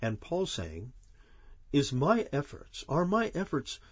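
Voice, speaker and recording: A man giving a measured Bible teaching, asking questions and then answering them himself. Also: a little high, huge pitch swings, slightly rough, no room sound, highs cut off. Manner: measured, explanatory, poses and answers his own questions.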